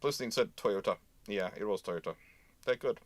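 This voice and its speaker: A man's voice: on the low side, moderate pace, dry recording. A man hosting a casual live history discussion, giving opinionated, rambling explanations. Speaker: host of a live question and answer show.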